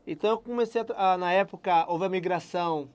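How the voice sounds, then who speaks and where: High-voiced Bahian man telling stories. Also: quick pace, clean tone. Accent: Bahian Brazilian Portuguese. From Salvador, Brazil. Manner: relaxed storyteller, laughs at himself, many fillers. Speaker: guest software engineer. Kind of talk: casual interview chat.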